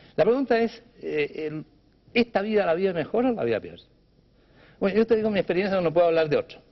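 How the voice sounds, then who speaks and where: With a Chilean accent, a man talks at a very fast pace and a high pitch, his intonation lively and broken by long, frequent pauses. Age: 70s. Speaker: philosopher. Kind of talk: interview. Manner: halting.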